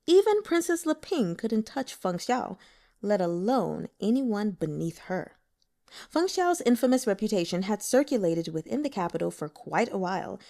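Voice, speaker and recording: A woman narrating a novel as an audiobook with expressive storytelling. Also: medium pitch. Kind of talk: scripted narration.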